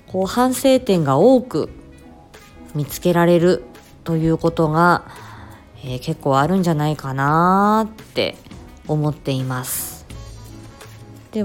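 A woman's voice: medium pitch, darkish tone. A woman hosting a casual solo podcast, explaining at an easy pace with frequent filler sounds. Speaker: podcast host.

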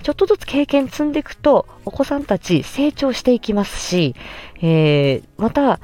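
Lively gentle Japanese woman explaining. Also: fairly high pitch, moderate pace. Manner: gentle explanatory, many fillers. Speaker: speech-language therapist and podcast host. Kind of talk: solo podcast talk.

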